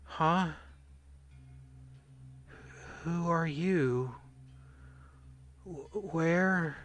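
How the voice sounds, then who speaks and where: A man playing a traumatised, drugged soldier in a radio play, recalling horrors in halting fragments. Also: a little high, fairly bright tone. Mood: dazed, pained. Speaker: corporal under interrogation.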